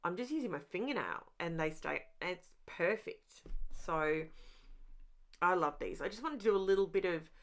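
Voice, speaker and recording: With a lowish, expressive voice at a moderate pace, a middle-aged woman narrates her craft video over a voiceover mic. As the channel's host, she rambles, stays self-aware, and speaks right to her audience.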